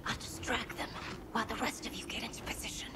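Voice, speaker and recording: A woman's voice: a little high, fast, in a whisper, natural voice. A woman playing an earnest, devoted warrior daughter of a royal family in a game cutscene. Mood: urgent, hushed. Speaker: actor in a fantasy fighting game. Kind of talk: dramatic game cutscene acting. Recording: distant voice under loud music.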